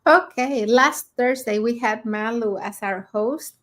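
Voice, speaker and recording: A woman's voice: on the high side, fairly bright tone. Cheerful woman co-host from Mexico. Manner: cheerful, brisk, rattles off names. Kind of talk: online talk show.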